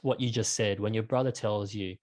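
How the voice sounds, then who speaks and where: A man with an Australian accent interviewing a guest, friendly and engaged, asking lively follow-up questions. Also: lowish voice, a little fast. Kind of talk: conversational interview.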